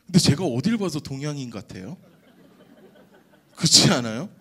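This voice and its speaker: A young man gives a testimony at a Friday prayer service with a slightly high, very lively voice. He tells his story in an animated way, acting out other people's lines and joking with the congregation. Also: moderate pace, slightly rough. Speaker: pastor giving testimony.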